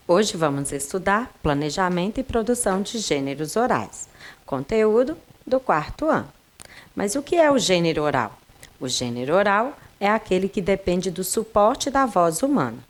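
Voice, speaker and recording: Animated woman teacher giving a lesson. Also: medium pitch, moderate pace. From Brazil. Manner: lively, addressing pupils directly. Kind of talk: recorded lesson for children.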